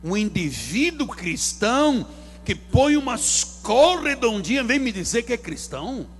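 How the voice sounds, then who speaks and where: A man pastor preaches from a church pulpit in a high, lively voice. His delivery is theatrical, leaping between loud declarations and hushed asides. A faint hum runs underneath. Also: unhurried. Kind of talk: sermon. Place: church sanctuary.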